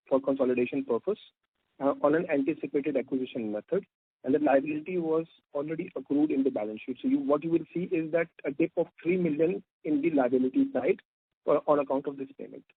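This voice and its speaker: On a dry, tinny phone line, an Indian-accented man explains financial details as an executive. His voice is rather high for a man and distinctly husky. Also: no room sound. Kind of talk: explanatory financial answer on a call.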